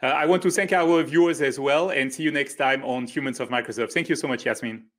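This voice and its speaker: A man's voice: medium pitch, fairly quick, fairly bright tone. Encouraging male interview host. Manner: encouraging, attentive. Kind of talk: hosting an interview segment.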